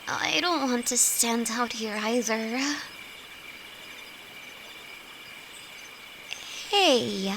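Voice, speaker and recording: A woman's voice: high-pitched, slight background noise, full character voice. A woman playing a timid young apprentice alchemist in an intimate audio roleplay, with nervous, hesitant, stammering delivery and frequent sighs. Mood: uneasy. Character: timid young female apprentice alchemist, easily frightened, sweet best friend. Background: crickets and night forest sounds.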